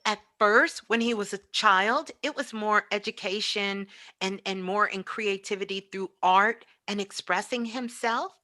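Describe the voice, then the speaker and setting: In a measured pace and mid-range voice that sounds pushed and bright, a woman preaches emphatically as a guest spiritual teacher. Her motivational spiritual talk leans on repeated phrases for weight.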